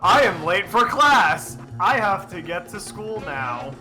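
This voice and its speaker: Man as panicky high-school boy hero for comic story reading; high-pitched, swooping, exclamatory. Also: very animated, slow, pushed and bright, soft background music, heavily acted. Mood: panicked. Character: Sonic, frantic young male high-schooler always in a rush. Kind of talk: comedic dramatic fan fiction reading.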